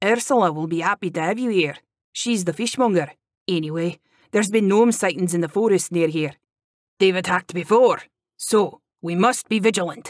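In a put-on character voice, a woman sounds gruff and booming at a medium pitch and moderate pace, with long, frequent pauses. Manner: gruff, booming.

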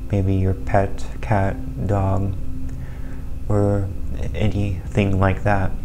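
Over clear music in the background, a man with a very deep, low pitch and ordinary pitch variation speaks at a very slow pace. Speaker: meditation guide. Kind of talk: guided meditation talk.

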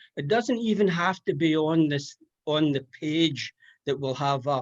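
Against a quiet background, a man with a fairly high pitch talks at a moderate pace with ordinary pitch variation. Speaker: parliamentary procedure trainer. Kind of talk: training workshop.

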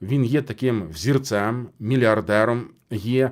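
With a fairly slow pace and ordinary pitch variation, a man uses a normal speaking voice at medium pitch in a very clean recording against a silent background. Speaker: political news commentator. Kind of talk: solo news commentary.

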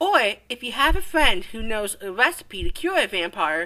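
Raising and projecting her voice, a woman speaks with very wide pitch swings. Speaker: video narrator. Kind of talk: video game machinima narration. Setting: low-quality microphone.

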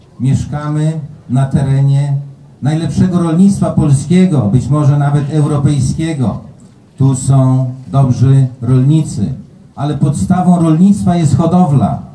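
A man speaks very slowly with ordinary pitch variation. Audible echo fills the room. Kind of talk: public speech. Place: open country.

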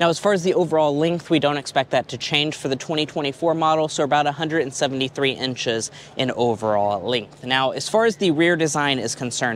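A man at a moderate pace with hardly any pauses, ordinary pitch variation, light background noise, and a dry sound with no echo. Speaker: car reviewer. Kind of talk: walkaround product review. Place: hall. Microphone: lapel.

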